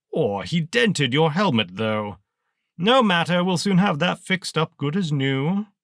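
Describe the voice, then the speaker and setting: A man's put-on character voice, fairly high in pitch, at a moderate pace, on a very clean recording with a silent background. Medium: read story. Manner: smug, mocking, menacing.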